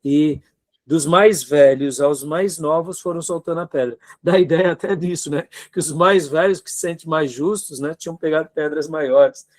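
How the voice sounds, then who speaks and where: Brazilian male seminary teacher, high-pitched, exhorting and earnest, lecture delivery. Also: moderate pace. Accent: Brazilian Portuguese. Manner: earnest, exhorting, asks rhetorical questions, frequent tag questions.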